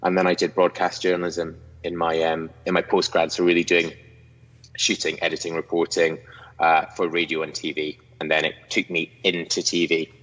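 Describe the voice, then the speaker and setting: A man's voice: deep voice, monotone, normal speed, fairly bright tone, in a large hall, highs cut off. A young Scottish man from the northeast chatting as a podcast guest, self-mocking and full of restarts, over a video call. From Scotland, northeast near Inverness. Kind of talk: casual interview chat. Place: his own studio.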